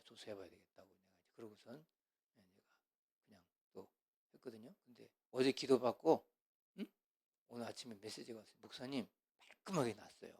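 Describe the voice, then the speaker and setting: Pastor guy preaching, lots of questions at the crowd, goes loud then quiet, middle pitch. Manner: animated, full of rhetorical questions, swings from loud to hushed. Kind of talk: sermon lecture.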